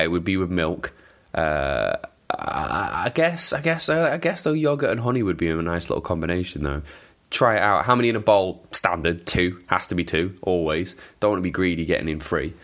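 A man's voice: low-pitched, fairly bright tone. A young Welsh man with a Welsh accent, hosting a podcast and answering listener questions in a chatty, self-deprecating, rambling way. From Wales. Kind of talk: casual chat.

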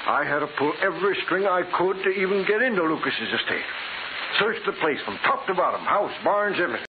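An actor playing a folksy, plainspoken rural sheriff and farmer with rustic grammar and a drawl, in a 1940s radio drama. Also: male voice, high voice, lively intonation, fairly quick, narrow, tinny audio. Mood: grave storytelling. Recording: noisy, hissy, thin 1940s radio recording.

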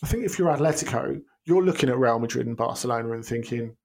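A man's voice: mid-range voice, expressive, fast, a little mellow. A man giving casual football analysis on a podcast, thinking aloud with frequent restarts and ums. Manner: hesitant, many restarts and ums. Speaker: football pundit guest.

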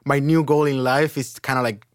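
A man's voice: medium pitch, fairly even intonation, brisk, clean tone, no room sound, clean studio sound. A man from Chile talking casually as a podcast guest, rambling with lots of fillers.

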